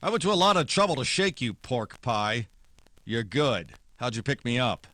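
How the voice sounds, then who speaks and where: An actor playing a tough, wisecracking private detective in a 1940s-style radio noir drama, with slangy, wry delivery. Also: male voice, mid-range voice, big pitch swings, normal speed, sharp tone, no room sound. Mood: sardonic. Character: hard-boiled, wisecracking male private detective narrating his case. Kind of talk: 1940s radio noir acting, first-person narration.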